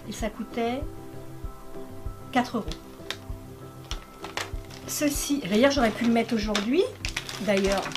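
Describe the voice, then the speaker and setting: Chatty woman vlogger over background music. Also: a little high. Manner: chatty and playful, with pet names for viewers. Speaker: vlogger showing a shopping haul. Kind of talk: casual chat to viewers. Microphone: camera microphone, filmed by a cameraman.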